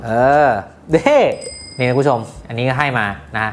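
A woman's voice: rumbling low, steady tone, moderate pace, a little hiss or hum. A woman hosting a casual phone review, playful and jokey, chatting directly to viewers. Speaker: tech reviewer host.

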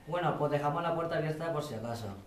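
A man's voice: on the high side, quick pace. Teen boy reading play lines, echoey n a bit far. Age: teenager. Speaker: student acting in radio play. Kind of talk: scripted dialogue. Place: school classroom. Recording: roomy classroom, distant mic, faint noise.

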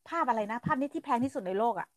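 A woman's voice: sits high, rapid-fire, dry recording, rough recording. A middle-aged woman from Thailand hosting a casual livestream chat, blunt and ranting, swearing freely and stretching her polite endings for emphasis. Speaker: livestream host.

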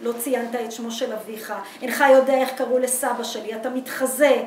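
A woman's voice: a little high, fairly even intonation, close to an everyday voice. A woman voicing a big, hot-tempered, suspicious young farmer in a novel reading, in an echoey room. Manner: loud, indignant, challenging. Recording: echoey room, distant mic, background noise.

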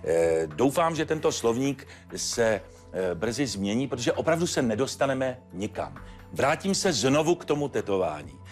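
An actor playing a stern, formal judge who admonishes the parties with frequent hesitant fillers. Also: male voice, medium pitch, very animated, faint music behind, lightly acted. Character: stern measured male judge, controlled. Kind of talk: courtroom TV show acting.

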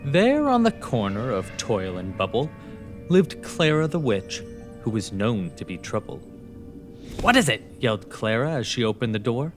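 A man narrating a rhyming children's story in a theatrical, rhythmic, expressive way. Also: mid-range voice, moderate pace. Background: music.

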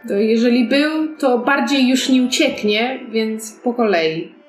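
A woman's voice: on the high side, unhurried. A woman chatting casually as a player in a tabletop role-playing game, speaking for her character. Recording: roomy echo, faint music behind.

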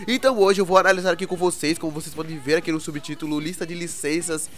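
A young Brazilian man with a cold, his voice congested and hoarse, chatting casually through gaming news and constantly checking in with viewers. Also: a little high, steady tone, quick pace. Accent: Brazilian Portuguese. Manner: chatty, keeps asking the viewers "né, cara?". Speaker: gaming YouTuber.

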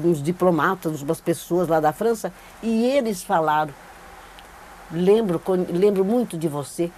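A woman's voice: on the low side, a little mellow, slight background noise. An older Brazilian actress recalling her career in a seated studio interview, telling it animatedly with emphatic repetition, recorded on a lapel mic. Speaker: veteran actress giving a testimony. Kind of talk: recorded oral-history interview. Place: indoor studio against a plain backdrop. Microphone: clip-on lapel mic.

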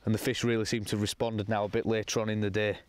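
A young man talking casually to camera while fishing from a lake bank outdoors, explaining his session in a relaxed, matter-of-fact way. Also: on the low side, very fast, slight background noise. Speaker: angler presenting a fishing session.

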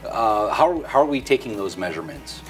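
A man's voice: fairly low pitch, very animated, normal speed, soft background music, low-quality recording. A middle-aged American man hosting a product tutorial in a conversational presenting style. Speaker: video tutorial host. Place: indoor product display set.

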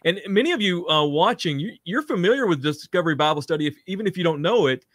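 A man co-hosting a show over a video call who talks eagerly and often pauses on "uh". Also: fairly high pitch, expressive, a bit bright, dry recording. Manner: eager, hesitant, frequent "uh". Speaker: co-host. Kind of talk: casual video call conversation. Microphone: webcam on video call.

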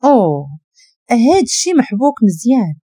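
Woman doing a cool calm moroccan guy, measured, dry close sound. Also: a little high, breathy edge, no room sound. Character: calm, guarded man under arrest.

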